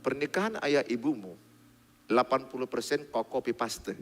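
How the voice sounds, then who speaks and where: A man preaching a sermon in a large church hall, lively and joking, addressing the congregation bluntly. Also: mid-range voice, normal speed. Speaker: pastor. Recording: long hall reverb, faint music.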